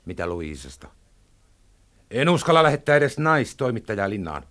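A shrewd opposition leader. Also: male voice, on the low side, big pitch swings, a bit bright. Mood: tense. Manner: measured, deliberate. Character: calculating male opposition leader, cautious and shrewd. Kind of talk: 1960s radio drama acting.

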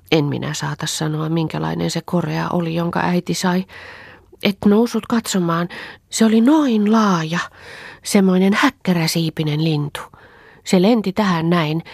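Lady doing a little girl all breathless and eager, high pleading voice, dry close recording. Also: gravelly, a little mellow, husky, dry recording. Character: excited little peasant girl.

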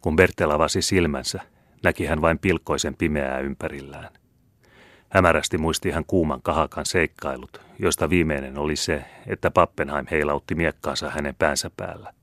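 A man narrates a classic historical novel in a steady, measured reading. His voice is extremely deep. The recording is dry and close, with no room sound. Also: no room sound. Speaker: audiobook reader. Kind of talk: scripted literary audiobook narration.

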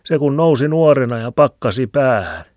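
A man's voice: medium pitch, lively intonation, darkish tone, no echo, voice pushed up, natural voice. A man voicing a stubborn, grumbling old village shoemaker with a rambling, folksy way of talking, in a dry close recording. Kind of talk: audiobook reading. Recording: dry close studio sound.

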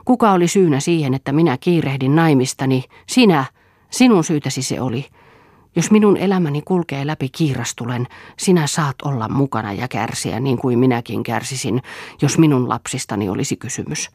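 A woman's voice: a bass voice, darkish tone, breathy edge, dry recording, clean studio sound, full character voice. A woman reading the part of an ill young mother in an audiobook, pleading and tender. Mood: anguished.

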